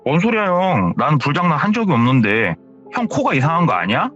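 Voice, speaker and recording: A man voicing a young country schoolboy who keeps protesting his innocence in a high pleading voice, as a storyteller. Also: sing-song, brisk, a bit bright, highs cut off, faint music behind.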